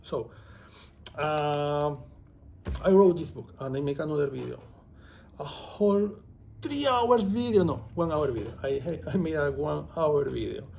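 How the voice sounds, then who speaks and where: A man with a Venezuelan Spanish accent talks casually to camera, wandering from topic to topic with a self-deprecating humor. His voice sits a little high for a man, with a gravelly fry and a dark, mellow tone. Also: slight background noise. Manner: chatty, digressive, self-deprecating. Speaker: author and vlogger.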